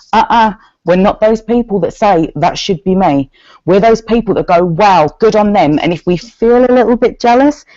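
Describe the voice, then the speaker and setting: A woman with a deep voice, sharing a candid personal testimony with a group and acting out the words of people in her story. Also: dry recording, dull audio. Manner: earnest, quotes others' words in lively bursts.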